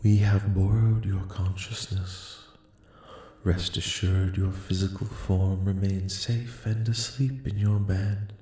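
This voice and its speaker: Man voicing a slow, soft-spoken, echoing alien. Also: low voice, fairly even intonation. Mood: calm, solemn. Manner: slow, formal, measured, reassuring. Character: calm, courteous, ancient disembodied alien collective. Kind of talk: soft-spoken ASMR roleplay. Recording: echoing, reverberant voice.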